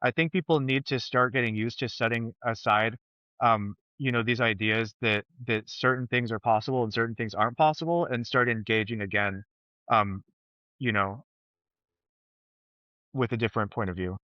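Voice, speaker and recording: A man speaking as a podcast guest, a software developer talking in a thoughtful, hesitant way with many pauses and restarts. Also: mid-range voice, dry recording, highs cut off. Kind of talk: casual podcast chat.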